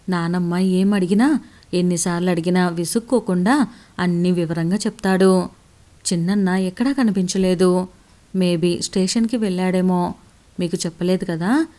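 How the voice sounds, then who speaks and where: A woman's voice: fairly low pitch, measured pace, dark tone. A woman narrating a romantic story in the first person, in an intimate, emotional storytelling manner.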